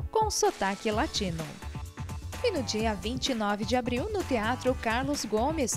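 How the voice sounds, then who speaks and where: A woman presenting TV cultural news, reading scripted event announcements. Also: on the high side. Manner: steady read announcements.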